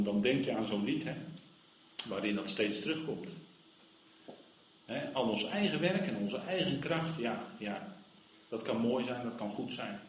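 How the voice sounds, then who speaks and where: A man preaching a sermon in an earnest, emphatic way, repeating his key phrases. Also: medium pitch. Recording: roomy, slightly dull sound with faint noise.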